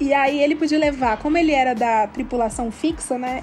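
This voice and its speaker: High-pitched female speech amid noticeable background noise. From Ceará, Brazil. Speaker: podcaster. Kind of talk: casual chat.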